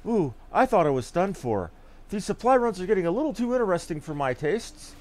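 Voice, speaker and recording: A man's voice: high voice, big pitch swings, a little fast, darkish tone. A man voicing a grateful, shaken fantasy coachman from a video game, reading with formal, archaic phrasing. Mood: relieved. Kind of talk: reading game dialogue aloud in character.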